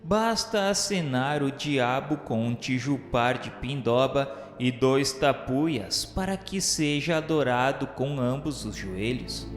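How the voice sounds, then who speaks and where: Brief: male narrator for religious radio play, mid-pitched, formal storytelling, long reverb with faint music underneath. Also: lively intonation, slow pace, hardly any pauses. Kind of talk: scripted narration for devotional radio drama. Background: soft music.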